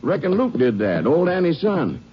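Folksy higher-voiced sheriff. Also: male voice, wildly swooping pitch, normal speed, husky, heavily acted. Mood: wry, explanatory. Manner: folksy, colloquial, clipped sentences. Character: folksy, plainspoken rural Texas sheriff, easygoing male. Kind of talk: 1950s radio drama acting. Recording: noisy, muffled old radio recording.

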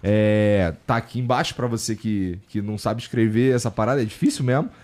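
A man's voice: on the low side, brisk, a little mellow. A Brazilian man hosting a podcast, talking casually in an informal, slangy way. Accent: Brazilian Portuguese. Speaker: podcast host. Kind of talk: casual chat.

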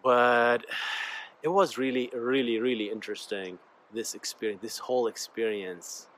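Man, native Arabic speaker, mid-pitched voice, loose motivational vlog talk, rambles and keeps calling out to "guys". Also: steady tone, moderate pace, a bit bright. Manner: rambling, earnest, often addresses listeners as "guys". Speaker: YouTuber and podcast host. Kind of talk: casual motivational monologue.

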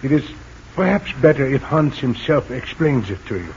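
Polite young underground leader, formal talk, old muffled radio with hiss. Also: male voice, medium pitch, lively intonation, moderate pace, gravelly. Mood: earnest. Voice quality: formal, courteous. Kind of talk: 1940s radio acting. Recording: dull old radio recording, faint hiss.

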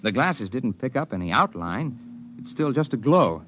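An actor in a radio drama playing a man who narrates his climbing story in a measured, matter-of-fact way. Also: mid-range voice, very animated, fairly bright tone, dull audio, a little hiss or hum. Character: steady adult male climber telling his story.

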